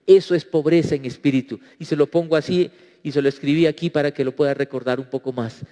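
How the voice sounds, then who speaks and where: A man's voice: a little high, fairly even intonation, fast, warm tone. A man preaching a sermon as pastor, emphatic and acting out quoted prayers. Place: church. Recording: reverberant church hall.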